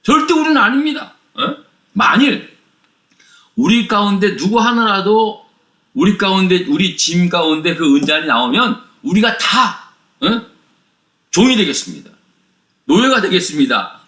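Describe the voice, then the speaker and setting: A man's voice: high voice, lively intonation, unhurried, pauses often, sharp tone, pitched above the performer's own voice, heavily acted. A man voicing accused brothers who protest their innocence with emphatic vows. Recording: echoey room.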